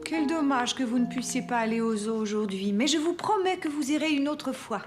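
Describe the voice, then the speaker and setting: A woman's voice: high-pitched, expressive, brisk, faint music behind. A woman voicing a kind, patient young mother in a French children's cartoon. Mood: gently apologetic.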